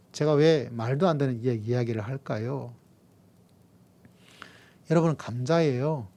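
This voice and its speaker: A man from the region, preaching a sermon and telling a playful story with emphatic, drawn-out key words. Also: medium pitch, warm tone. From Gyeongsang region, Korea. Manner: playful storytelling with jokes and acted-out voices. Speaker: pastor.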